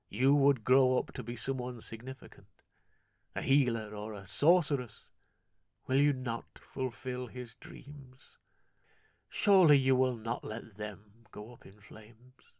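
An earnest young man, heavy with grief, pleads with his sister in a voice close to the reader's own, as a man plays him. His words come slow, even and unhurried, and the recording is dry, with no room sound. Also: medium pitch, no echo. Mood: gentle. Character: young man, grieving elder brother, earnest.

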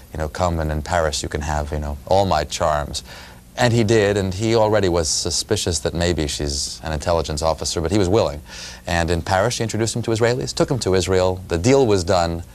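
A man in his thirties from New York City, a radio reporter and author, answering interview questions in a measured, storytelling way in a television studio on a lapel mic. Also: low voice.

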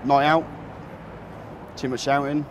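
A man, chatting casually in a hesitant, halting way. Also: mid-range voice, level tone. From England. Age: 30s. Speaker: coaching client. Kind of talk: casual conversation. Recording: clear background noise of busy places.

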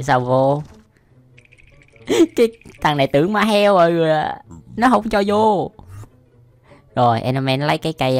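Southern Vietnamese man doing exclamatory reaction commentary. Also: fairly high pitch. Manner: slangy, frequent exclamations and laughter. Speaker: reaction video host. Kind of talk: casual, exclamatory reaction commentary over animation.

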